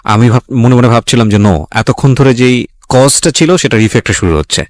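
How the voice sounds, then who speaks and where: A man's voice: mid-range voice, a little fast, no echo. Man, radio host, earnest, appealing to listeners, dry studio sound. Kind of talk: radio call-in talk show.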